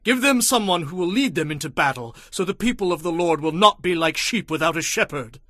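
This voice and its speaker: A reverent male leader of ancient Israel, prays in a somewhat high voice. He pleads earnestly and solemnly, as in a Bible drama, and the sound is very dry and close. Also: expressive, a little fast, pushed and bright, dry recording. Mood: earnest pleading. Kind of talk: dramatized audio Bible acting.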